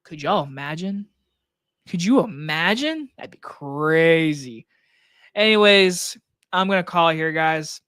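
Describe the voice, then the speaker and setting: A man with a scratchy, hoarse throat hosting a casual live stream Q&A from his desk, talking loosely with plenty of likes and restarts into a microphone on a boom arm. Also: animated, measured pace, a bit bright, no echo, clean studio sound. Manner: loose, rambling talk with many likes and restarts. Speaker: movie reviewer and channel host. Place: home desk setup.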